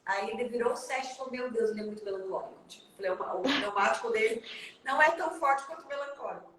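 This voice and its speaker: A woman in her thirties with a Brazilian accent, giving parenting advice live over a video call, fast and emphatic. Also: fairly high pitch, a bit bright, very echoey, distant mic, slight background noise. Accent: Brazilian Portuguese. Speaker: parenting consultant.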